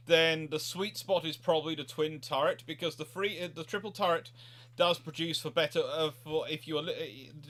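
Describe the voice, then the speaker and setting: A man's voice: a little high, a bit bright. A man hosting a history question-and-answer chat, explaining in a rambling way and often correcting himself mid-sentence. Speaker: livestream host.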